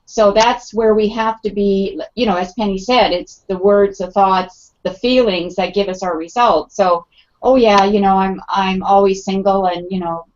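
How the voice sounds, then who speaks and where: Speaking at a moderate pace in a steady, mid-range voice with a darkish tone, this middle-aged woman chats through a casual panel discussion, filling her talk with fillers and acting out quoted thoughts. The recording sounds muffled and lo-fi.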